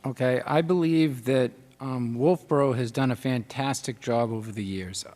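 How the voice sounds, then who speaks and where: A middle-aged man giving an earnest, deliberate closing statement as a candidate at a public forum. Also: mid-range voice, darkish tone. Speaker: candidate for town board. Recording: echoey hall with long reverb.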